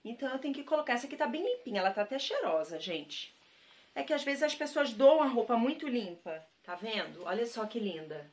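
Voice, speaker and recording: A woman from Brazil chatting to camera as a vlogger, gushing over her thrift-shop finds and addressing viewers directly. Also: medium pitch. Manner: chatty and gushing, repeats praise words. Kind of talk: casual haul chat to camera.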